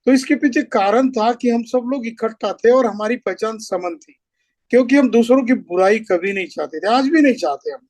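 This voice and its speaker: High-pitched man, earnest lecturing speaker, dry close sound. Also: a little mellow, dry recording. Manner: earnest, lecturing, builds points through lists. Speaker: speaker at a community meeting. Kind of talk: impassioned speech.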